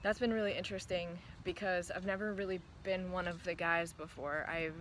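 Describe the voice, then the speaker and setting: A trans man talks through his thoughts in a casual vlog, his voice still often heard as female. He pauses, says um a lot and restarts sentences. A clear, steady noise runs under the recording, maybe from a vehicle. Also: high-pitched. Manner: thoughtful, hesitant, many ums and restarts. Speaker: vlogger.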